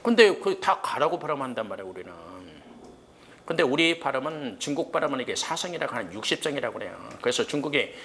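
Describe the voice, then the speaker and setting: A man lectures a room of exam students in a medium-pitched voice. He is quick and blunt, and he constantly throws questions at the class and then answers them himself. Faint room noise sits behind him. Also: sing-song, fairly bright tone. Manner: blunt and joking, with casual rough slang. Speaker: exam prep history lecturer. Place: cram school lecture room.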